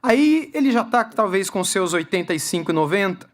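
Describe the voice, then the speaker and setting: A man, preaching a sermon at a church congress and putting lively rhetorical questions to the congregation. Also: high voice, moderate pace. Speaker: guest preacher.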